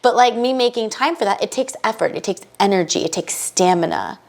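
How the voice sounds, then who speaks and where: A woman from the United States, a guest on a podcast, talking in a casual, animated and emphatic way with many quick asides. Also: medium pitch, creaky. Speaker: podcast guest, bridal fashion entrepreneur. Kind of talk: casual conversational interview.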